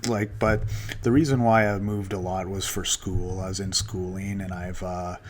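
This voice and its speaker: A man's voice: low voice, little pitch movement, a little hiss or hum. A Canadian man in his thirties hosting a solo podcast, rambling loosely with casual swearing. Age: 30s. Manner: loose, halting, many fillers and restarts, casual swearing. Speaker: podcast host.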